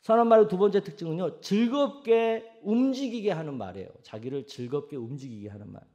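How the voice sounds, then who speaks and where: A man preaches a sermon in a fairly high voice. His pitch swings widely as he throws questions at the congregation. Between these he drops into soft, low tones to act out everyday sayings. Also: animated, brisk. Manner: asks the congregation direct questions. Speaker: senior pastor.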